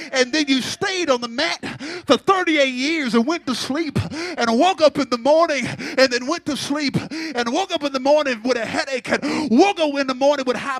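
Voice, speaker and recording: A man's voice: very high voice, fairly bright tone, no echo. A man preaching a sermon into a pulpit microphone, building fervor and teasing the congregation to respond.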